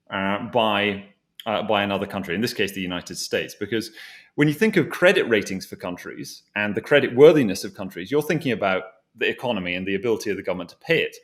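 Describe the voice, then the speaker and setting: A man hosting a conversational financial discussion, explaining things as he goes and often rewording his phrases. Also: fairly low pitch. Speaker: host asking a co-presenter for his thoughts.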